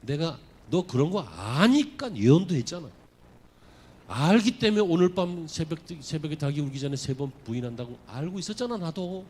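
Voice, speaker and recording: A male pastor voicing Jesus speaking softly and tenderly to a disciple within his sermon. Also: sing-song, moderate pace, a little hiss or hum. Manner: soft, low and tender. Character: Jesus, gentle forgiving man speaking to a disciple.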